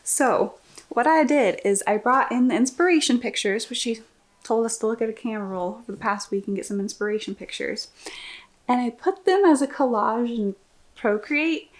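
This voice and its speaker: A woman's voice: a little high, moderate pace. A young woman vlogging casually, chatty and self-deprecating, often laughing at herself. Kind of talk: casual vlog talk.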